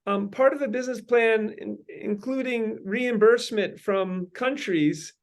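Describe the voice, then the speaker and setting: High-voiced man, halting and winding. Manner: halting, many ums and uhs, long winding sentences. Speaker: host leading a meeting. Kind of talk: brainstorming meeting talk.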